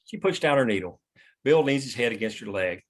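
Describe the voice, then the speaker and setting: A man's voice: medium pitch, expressive, brisk. A man reading stage directions as scripted narration at a table read.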